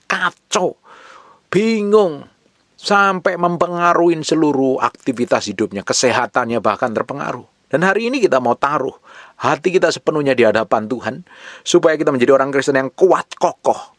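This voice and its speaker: A man's voice: on the high side, expressive, moderate pace, fairly bright tone, no room sound, studio quality. A man preaching a sermon to a congregation, addressing them directly and repeating phrases for emphasis. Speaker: pastor.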